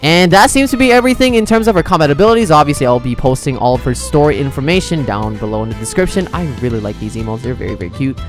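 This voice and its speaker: A man's voice: mid-range voice, expressive, racing, hardly any pauses. Man, mid-range voice, casual gaming reaction commentary, chatty streamer delivery, music in the background. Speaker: gaming content creator and streamer. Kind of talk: casual reaction commentary, reading game text aloud. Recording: music behind the voice.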